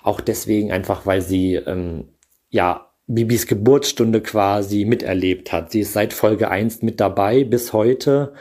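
Mellow, low-voiced man in his thirties. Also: unhurried. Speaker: podcast listener, fan. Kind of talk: spoken fan voice message.

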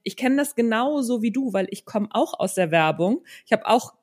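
A woman's voice: a little high, animated, moderate pace, a little mellow. A middle-aged woman hosting a casual interview, chatting about her own path and often checking back with her guest. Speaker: interview host, coach and author.

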